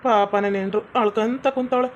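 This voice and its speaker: A woman's voice: medium pitch, steady tone, brisk, lo-fi sound, slight background noise, close to an everyday voice. A woman playing a sulky husband now living as a woman, muttering and snapping.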